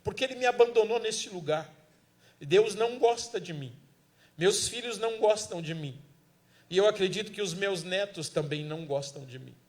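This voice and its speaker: A Brazilian man voicing a lonely, bitter old man in a nursing home, speaking quietly. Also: high voice, animated, moderate pace. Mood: bitter, hurt. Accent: Brazilian Portuguese.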